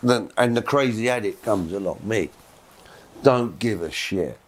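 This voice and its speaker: Middle-aged man, lowish voice, rambling storyteller who repeats himself. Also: unhurried. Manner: rambling, repeats words, acts out voices in quotes. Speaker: guest. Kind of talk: casual storytelling.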